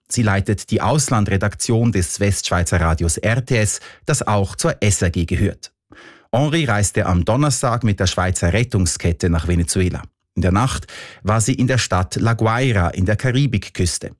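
Low-voiced Swiss German male news presenter. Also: dry recording, studio quality. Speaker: news programme host. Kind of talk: scripted radio news presenting.

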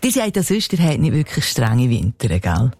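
Lively Swiss German radio host, man. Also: mid-range voice, normal speed, breathy edge. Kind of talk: radio interview hosting.

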